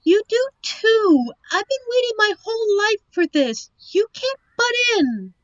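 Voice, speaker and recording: Young princess, played by a woman: very high, dry close sound, sweetly eager, fussy, melodramatic, fantasy audio drama. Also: very animated, unhurried, no room sound, highs cut off, heavily acted. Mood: hurt, furious. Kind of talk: fantasy audio roleplay acting.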